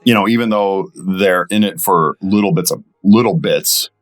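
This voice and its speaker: A man speaking as a guest voice actor in a casual interview and commentary, with halting, measured phrasing. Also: low voice, faint music behind.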